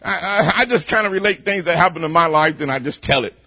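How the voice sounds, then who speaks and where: A man preaching a sermon in a loud, boisterous way, building up to near shouting and easing back into storytelling. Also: on the high side, fast talker, dry recording.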